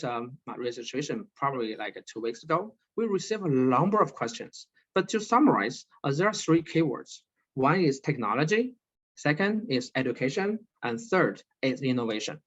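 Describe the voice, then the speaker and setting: A man hosting an online talk, moderating with many halting fillers and restarts over a video call. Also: mid-range voice, a bit bright. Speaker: webinar host and moderator. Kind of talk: hesitant online panel moderation. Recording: slightly dull lo-fi video call audio.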